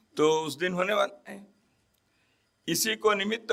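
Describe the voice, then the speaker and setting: This man's voice sits high in pitch, with a bright, sharp tone and ordinary pitch variation. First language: Kannada (speaking Hindi). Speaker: speaker at book launch. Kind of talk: formal speech. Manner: formal.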